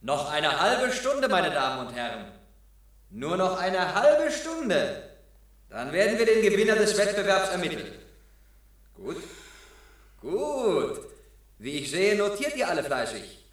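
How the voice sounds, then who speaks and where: An actor playing a theatrical quizmaster announcing a contest in a 1970s radio drama. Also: male voice, high voice, big pitch swings, unhurried, pauses often, fairly bright tone, very echoey, heavily acted. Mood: showy. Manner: announcing, showy.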